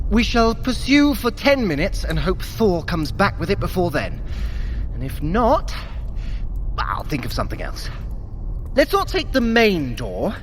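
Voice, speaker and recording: A man's voice: on the high side, a bit bright, a little hiss or hum. An actor playing a wry, vain, scheming trickster god in an audio drama, sarcastic and fussy as he guides the listener. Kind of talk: scripted audio drama acting, guiding the listener.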